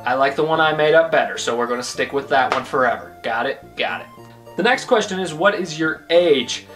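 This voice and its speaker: A man's voice: fairly high pitch, brisk, music in the background. A man in his twenties, the host of his own vlog, answering questions about himself in a joking, rambling way. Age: 20s. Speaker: YouTube host. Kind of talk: casual vlog Q&A.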